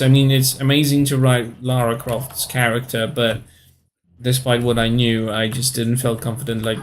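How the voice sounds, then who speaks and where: In a medium-pitched voice, a man from Poland in his thirties chats casually on a live stream. His English carries a Polish accent, and he frequently stops to hunt for the right word.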